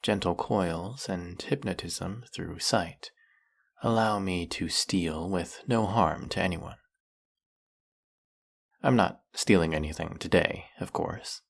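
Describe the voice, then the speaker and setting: A snake-headed villain with a silky, coaxing manner, voiced by a man. His voice sits very low with a gravelly, husky grain, and he takes his time with every word. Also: slow pace, exaggerated voice. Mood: boastful. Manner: silky, coaxing, soft-spoken and purring. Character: smooth-talking snake-headed male villain, hypnotist. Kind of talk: audio roleplay.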